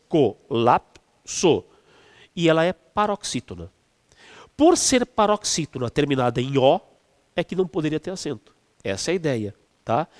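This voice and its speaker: A man's voice: a little high, in a large hall. A man teaching an exam-prep language lesson, explaining step by step with fillers and restarts, and stretching key words to stress them.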